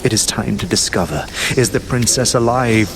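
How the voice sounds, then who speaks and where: An actor playing a sinister nightmare trickster in an audio drama, telling a dark fairy tale in taunting, drawn-out, sing-song rhyme. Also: mid-range voice, noisy background, lightly acted. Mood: menacing, gloating.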